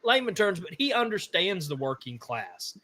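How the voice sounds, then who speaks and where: A man from Mississippi talks with a Southern accent in a casual podcast chat. His voice sits a bit high and sounds bright and forceful. He rambles with fiery energy and stumbles over repeated words. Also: sing-song, moderate pace. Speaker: podcast co-host.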